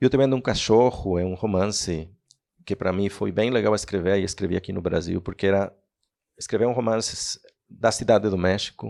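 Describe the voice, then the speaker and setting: A man talks with a Spanish accent. His pitch varies in an ordinary way. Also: very clean recording, silent background. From Mexico. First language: Spanish (speaking Portuguese). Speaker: novelist. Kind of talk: live interview at a book event. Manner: halting, with repetitions.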